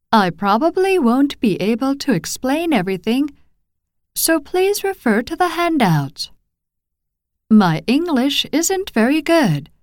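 A woman reading example phrases for English learners, slow and clearly enunciated. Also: high-pitched, dry recording, studio quality. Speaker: phrase reader.

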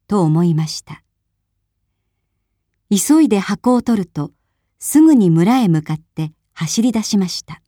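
A woman reading a folk tale aloud in a clear, measured storybook style, pausing to explain words. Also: fairly low pitch, dark tone, no echo, studio quality. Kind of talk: slow storybook reading for learners.

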